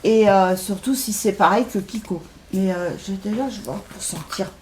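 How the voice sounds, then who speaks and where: A woman's voice: medium pitch, moderate pace, darkish tone, slight background noise. A middle-aged woman chatting casually in a shopping haul video, hesitant with lots of fillers. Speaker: haul vlogger. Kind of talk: casual chat.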